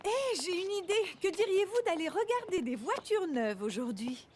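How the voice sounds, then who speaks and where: A high-voiced cartoon mom. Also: female voice, sing-song, normal speed, a little mellow, slight background noise. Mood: cheerful. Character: kind, patient young mother. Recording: music playing behind.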